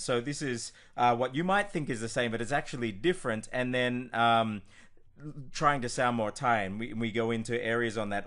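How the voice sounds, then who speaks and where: A man's voice: mid-range voice, fairly bright tone. Casual male coach, full of ums. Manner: informal, with frequent ums and restarts. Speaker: language coach. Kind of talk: screen-recorded teaching walkthrough.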